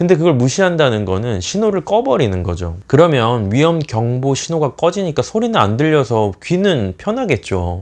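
The voice swings very widely in pitch and barely pauses, over a quiet background. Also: man, medium pitch for a man, moderate pace. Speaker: psychotherapist. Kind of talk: solo video talk to camera. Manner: gentle, warm.

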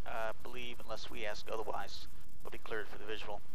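Noticeable background noise sits behind a man speaking at a moderate pace. His intonation is flat and monotone, and the sound is dry with no echo. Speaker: flight instructor pilot. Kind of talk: tutorial. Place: plane. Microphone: headset.

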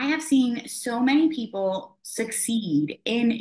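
Against a quiet background, a woman with an American accent speaks very slowly in a fairly high voice with very wide pitch swings. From US Northeast, Philadelphia. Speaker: travel content creator. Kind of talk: podcast interview. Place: home room. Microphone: webcam.

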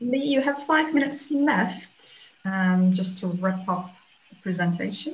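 A woman talks at a fairly slow pace in a somewhat breathy voice with very wide pitch swings. Audible room echo surrounds her. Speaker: academic supervisor and seminar chair. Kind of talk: seminar moderation. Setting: video call. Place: home room. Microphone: video call.

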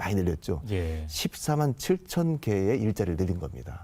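This man's voice has a dark, mellow tone, is somewhat breathy, and moves through very wide pitch swings. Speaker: government vice minister. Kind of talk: TV interview, policy explanation. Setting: TV studio. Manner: frequent fillers and hesitations.

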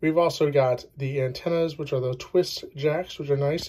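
This man's somewhat breathy voice unfolds at a fairly slow pace. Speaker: seller showing an item. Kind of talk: tutorial. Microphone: phone near.

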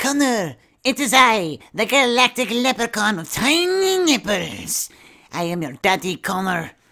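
A put-on character voice, fairly high, with very wide pitch swings at a moderate pace.

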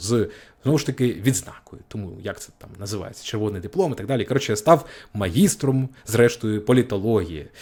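A man at medium pitch talks fairly quickly in a somewhat breathy voice, with lively intonation and big swings in loudness. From southern Ukraine, Mykolaiv. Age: 20s. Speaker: political analyst, YouTuber. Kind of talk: monologue to camera, autobiographical. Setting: home studio, mic in front.

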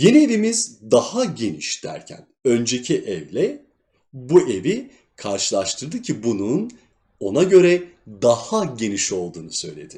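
Animated in tone, a man talks at a fairly slow pace with big swings in loudness. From Turkey, Zonguldak. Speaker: Turkish language teacher. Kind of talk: online exam-prep lesson.

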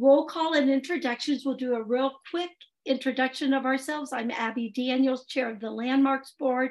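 A woman's high-pitched voice at a moderate pace, fairly even in intonation, against a quiet background. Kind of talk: meeting chairing. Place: home room. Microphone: video call.

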